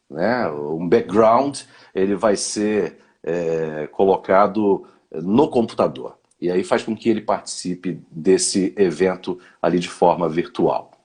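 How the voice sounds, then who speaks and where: A man's voice: low voice, darkish tone, husky. A man, a guest on a live talk, giving advice on public speaking in short commands with frequent "né?" tags. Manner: didactic, gives advice in short imperatives with many "né?" fillers. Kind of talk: live online conversation.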